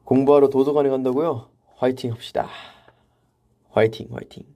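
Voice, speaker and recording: A young man hosting a casual livestream from a vocal practice room, reading viewer comments aloud and answering them in a relaxed, chatty way. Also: medium pitch, a little fast. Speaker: idol livestream host.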